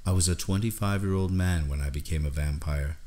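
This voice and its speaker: A deep-voiced vampire gentleman, acted by a male audiobook reader, ageless and melancholy. He speaks softly and formally, with deliberate, courteous command. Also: natural voice. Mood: calm, confiding. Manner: soft-spoken, deliberate, formal. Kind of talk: audiobook character dialogue.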